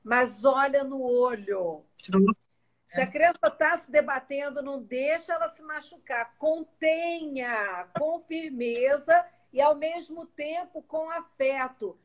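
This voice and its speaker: Over a poor-quality internet live stream from her city home, a woman parenting educator speaks straight to her viewers. Her voice sits high and she takes her time, staying patient and instructive.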